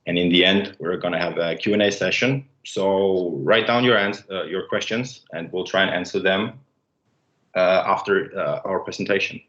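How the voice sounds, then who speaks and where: A man in his late twenties from Denmark, opening and hosting a student livestream in a casual, halting way with many fillers. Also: deep voice, fairly bright tone. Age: late 20s. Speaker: student presenter. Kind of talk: livestream presentation. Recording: dull roomy sound.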